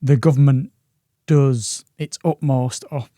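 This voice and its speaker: Halting man co-host, dry mic. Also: mid-range voice, fairly even intonation, warm tone, no echo. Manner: halting, hesitant, conversational. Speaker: podcast co-host. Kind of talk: podcast interview.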